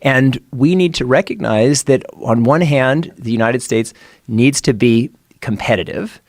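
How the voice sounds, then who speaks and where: A man's voice: mid-range voice, a little slow, no echo. Man, author guest, earnest, articulate, dry studio sound. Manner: articulate, earnest, lays out arguments point by point. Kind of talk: explaining in conversation.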